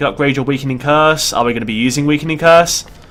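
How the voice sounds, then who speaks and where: A man with a fairly high voice and ordinary pitch variation talks over noticeable background noise. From England. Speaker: gaming livestreamer. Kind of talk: gameplay commentary. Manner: fast; occasional stutter when rushing.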